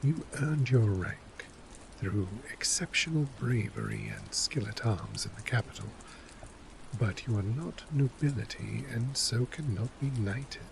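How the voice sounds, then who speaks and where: Slow, gravelly fantasy commander, acted by a man. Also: medium pitch, noisy background. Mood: measured, wry. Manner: measured, theatrical, condescending, dramatic pauses. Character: jaded, shrewd male city guard commander in fantasy world. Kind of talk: ASMR fantasy role play.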